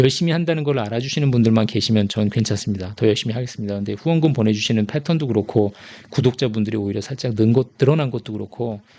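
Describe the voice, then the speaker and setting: A man talks at a very fast pace with hardly any pauses. His pitch is medium and its variation ordinary. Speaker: economics YouTuber. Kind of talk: casual monologue. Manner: speeds up near time limit.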